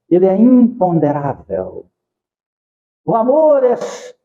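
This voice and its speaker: Earnest older man in a lively lecture. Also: sits high, highs cut off. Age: 60s. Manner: earnest, often adds tag questions. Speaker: Spiritist center lecturer. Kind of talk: devotional lecture. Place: lecture hall of a Spiritist center.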